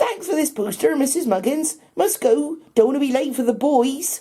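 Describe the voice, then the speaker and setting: Moderate pace and high pitch in a woman's put-on character voice. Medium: audio drama. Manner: rambling, chatty.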